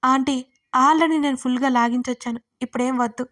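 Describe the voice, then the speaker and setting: Woman doing a loud teasing young best friend. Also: fairly high pitch, fairly even intonation, fairly quick, lightly acted.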